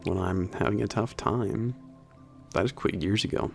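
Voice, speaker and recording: A man playing a big, burly, soft-hearted werewolf maintenance trainer in an ASMR roleplay, talking to the listener in a halting, casual, sweary and earnest way. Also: lowish voice, vocal fry, soft background music. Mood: apologetic, encouraging. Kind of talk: ASMR roleplay audio drama, spoken to the listener.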